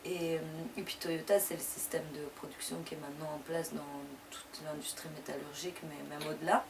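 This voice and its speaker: A woman's voice: deep voice, fairly even intonation. A young woman raised in France whose first language is Persian, telling her life story in an interview at a loose, conversational pace. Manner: conversational, loosely paced with frequent pauses. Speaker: deputy mayor interviewee. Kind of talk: interview answers, personal story. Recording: distant mic with clear background noise.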